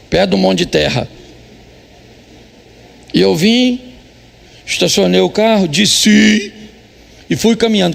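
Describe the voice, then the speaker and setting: A man's voice: sits high, creaky. A middle-aged man with a Brazilian Portuguese accent, preaching a humorous sermon in church, teasing the congregation. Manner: joking, teasing, acts out quotes. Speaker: pastor.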